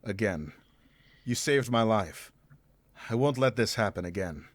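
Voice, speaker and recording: An actor playing a shaken, grateful, earnest male traveler in a visual novel, with a husky voice. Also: lowish voice, expressive, unhurried.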